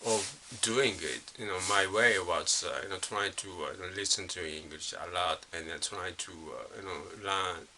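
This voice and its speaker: Halting middle-aged Japanese man, bright edge. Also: deep voice, slight background noise. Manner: halting, leans on constant "you know" fillers and restarts. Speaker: vlogger. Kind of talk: unscripted casual monologue.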